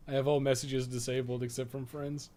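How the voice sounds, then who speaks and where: A man's voice: medium pitch, level tone, brisk, dark tone. A man giving casual live gameplay commentary as a streamer, rambling and thinking aloud with frequent swearing. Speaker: video game streamer and guide writer. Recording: clearly noisy background.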